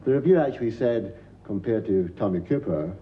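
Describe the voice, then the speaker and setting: Deadpan comedy guy, bouncy intonation, far off mic, muffled, audience noise. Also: on the low side, brisk. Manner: dry, deadpan. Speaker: stand-up comedian. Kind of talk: deadpan stand-up one-liners. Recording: distant muffled TV audio with audience.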